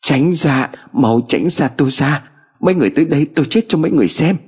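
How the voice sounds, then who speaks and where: A man voicing a frightened, hysterical young woman patient with a shrill, pleading voice. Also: animated, normal speed, darkish tone, husky. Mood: panicked.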